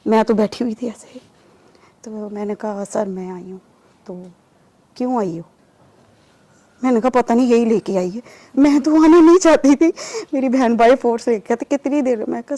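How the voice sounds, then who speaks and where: Woman sharing her testimony, acts out the back and forth, warm mellow voice, dry close sound. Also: a little high, moderate pace, no echo. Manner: lively storyteller acting out remembered dialogue. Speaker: guest giving a testimony. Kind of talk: personal testimony interview. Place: lives in Saudi Arabia.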